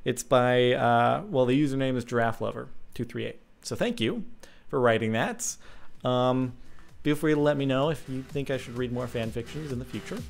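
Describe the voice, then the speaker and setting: A young man reads a fan story aloud in a middle-pitched, relaxed voice. He stumbles, adds ums and breaks off for amused side comments, keeping the tone loose and unscripted. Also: moderate pace, vocal fry, faint music behind. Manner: casual, many ums, chuckling asides. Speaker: channel host.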